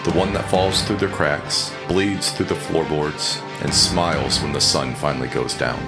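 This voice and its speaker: A man's voice: extremely low pitch, steady tone. A man giving dramatic, ominous trailer narration over music. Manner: ominous, measured delivery.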